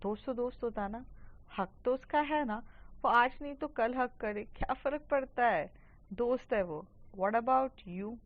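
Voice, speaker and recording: A woman's voice: on the high side, measured pace, dry recording, phone-quality sound, close to an everyday voice. A woman voicing a confident teenage schoolgirl who argues with probing questions. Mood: challenging.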